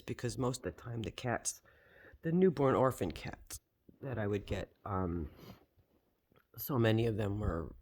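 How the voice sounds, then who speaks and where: Slow, halting man rambling through an explanation. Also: on the low side, darkish tone, a little hiss or hum. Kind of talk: personal explanation, unscripted vlog.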